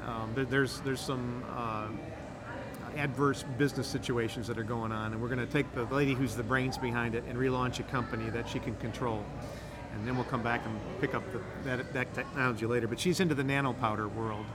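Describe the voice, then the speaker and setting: Over a loud crowd, a Midwestern incubator director speaks as a guest on a casual podcast. His medium-pitched voice has fairly even intonation and a slightly fast pace, and he explains at great length, enthusiastic and rambling, with lots of restarts.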